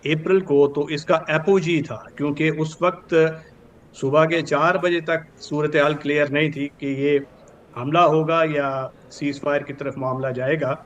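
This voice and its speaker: Older Pakistani male analyst, slightly high voice, formal and deliberate, faint noise behind. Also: steady tone. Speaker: retired brigadier, news analyst. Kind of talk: formal news analysis in Urdu mixed with English terms. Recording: clearly noisy with background ambience.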